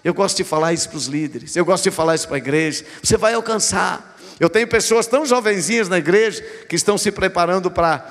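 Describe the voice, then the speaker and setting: A middle-aged man preaching a sermon as a pastor, emphatic, repeating key phrases and dropping softly for quoted lines. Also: high voice, quick pace. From southern Brazil. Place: large church hall at a conference. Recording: long hall reverb from a church sanctuary.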